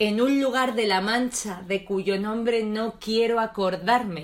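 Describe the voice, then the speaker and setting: The speaker has an Aragonese accent and ordinary pitch variation. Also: woman. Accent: Spanish (Aragon). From Spain, Zaragoza. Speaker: actress. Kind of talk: interview.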